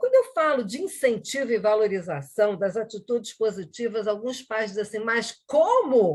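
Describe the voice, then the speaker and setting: Here a woman uses an ordinary speaking voice with a fairly high pitch and lively intonation. She keeps a moderate pace with hardly any pauses. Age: 60s. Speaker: family therapist, speaker. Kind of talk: lecture.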